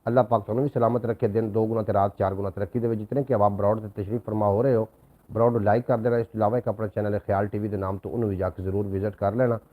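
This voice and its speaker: Man, live stream host, casual chat, courteous and blessing, lowish voice, dull lo-fi mic. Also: level tone, quick pace. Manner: courteous, showers viewers with blessings and thanks. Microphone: new microphone.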